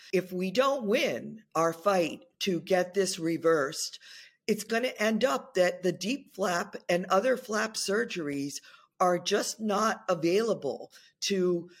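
A woman in her sixties speaks in an interview about her own medical care. She talks very slowly and deliberately. Her voice sits a little low. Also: husky. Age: 60s. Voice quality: slow, deliberate speech. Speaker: patient interviewee. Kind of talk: interview testimony.

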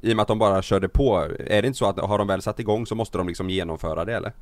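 A man with a fairly low voice co-hosts a casual podcast. He reacts bluntly and swears in his exclamations. The sound is dry and close to the mic. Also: no room sound.

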